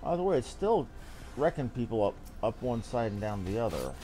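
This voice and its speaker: A man's voice: medium pitch, big pitch swings, normal speed, dark tone, slight background noise, rough recording. A middle-aged man chatting casually and ramblingly as he streams a game.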